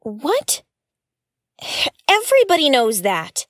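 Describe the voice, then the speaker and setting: A woman's voice: high voice, wildly swooping pitch, slow, dry recording, clean studio sound, heavily acted. A woman playing a wary, frustrated investigative podcaster in an audio drama, speaking in a guarded, hesitant way. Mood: exasperated. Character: wary, frustrated female investigative podcast host, dogged truth-seeker. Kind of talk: naturalistic audio fiction acting.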